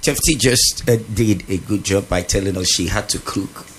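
A man hosts a live radio show from his studio, his voice very deep. He keeps up lively on-air patter between questions to his guests. A faint hiss sits behind him. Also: moderate pace. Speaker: radio host.

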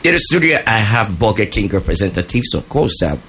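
A man hosts a live radio show from his studio, his voice very deep. He keeps up lively on-air patter between questions to his guests. A faint hiss sits behind him. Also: a little fast. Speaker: radio host.

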